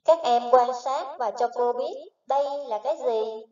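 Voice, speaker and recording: A woman teacher giving a slow, patient phonics lesson to young children, spelling out sounds one syllable at a time. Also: fairly high pitch, darkish tone. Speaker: primary school teacher. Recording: echoey, distant, dull recording.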